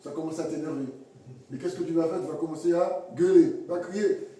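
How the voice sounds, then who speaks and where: A man preaching a sermon in a halting way, repeating words and acting out little everyday scenes. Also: a little high, steady tone, warm tone. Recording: echoey hall from far off.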